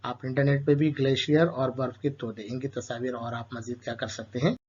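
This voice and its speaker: A man's voice: mid-range voice, little pitch movement, brisk, darkish tone, slightly rough. A man teaching a school lesson to children, asking questions and answering them himself, with an Urdu-speaking Indian accent. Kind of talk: explaining a school chapter to children. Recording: dull lo-fi sound.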